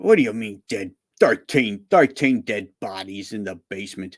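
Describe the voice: In a put-on character voice with a New York accent, a man speaks at a fairly low pitch. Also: moderate pace. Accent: old New York.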